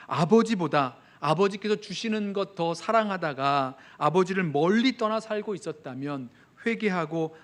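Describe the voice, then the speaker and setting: A man with a fairly high voice preaches a sermon from the pulpit. He speaks earnestly and acts out the quoted lines as he explains the text to his congregation. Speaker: pastor.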